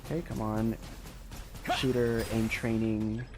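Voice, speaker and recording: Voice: medium pitch, little pitch movement, takes it slowly, over music. A streamer giving casual, offhand commentary while playing a video game.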